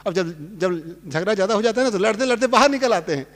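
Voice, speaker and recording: High-voiced preacher in a reverberant hall. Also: male voice, quick pace, a bit bright. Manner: plain conversational preaching with folksy examples. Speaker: spiritual teacher. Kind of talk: sermon with sung verses.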